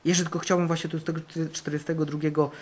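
A male camp preacher in full sermon mode, his fairly high voice rising for bold declarations and dropping for quiet, earnest passages. He drives points home by repeating key phrases. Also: level tone, fast, slight background noise. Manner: fervent, repeats phrases for emphasis, swings between loud and hushed. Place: camp meeting.

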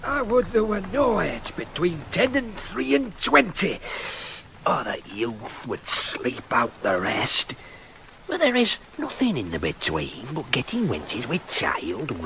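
A grumbling old shepherd. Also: male voice, mid-range voice, a little hiss or hum, heavily acted. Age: older. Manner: grumbling, rustic, animated. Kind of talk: radio drama acting.

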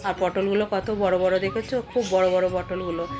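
A middle-aged woman speaks Bengali with a West Bengal accent in a casual vlog voice-over. Her voice is mid-pitched and stays fairly flat as she chats directly to her viewers about everyday home life. Music plays clearly behind her. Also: brisk, muffled recording. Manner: chatty, addresses viewers directly as friends. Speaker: homemaker and vlogger. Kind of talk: casual vlog voice-over narrating cooking and household routine.

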